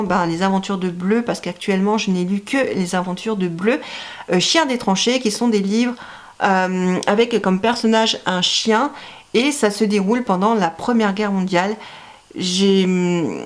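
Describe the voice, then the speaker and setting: Chatty young woman with many fillers. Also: medium pitch. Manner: hesitant, many "euh" fillers, enthusiastic. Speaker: book vlogger. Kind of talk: casual book haul vlog.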